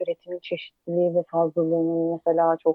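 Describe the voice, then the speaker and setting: Talking at a fairly quick pace, the woman has a fairly low pitch. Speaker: visual artist. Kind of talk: interview. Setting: remote call from Ayvalık.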